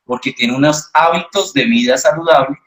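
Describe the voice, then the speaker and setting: A man's voice: on the high side, normal speed. A man answering as a voice specialist in an interview, explaining patiently and teaching with examples. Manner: calm, didactic, uses examples. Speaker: voice specialist guest.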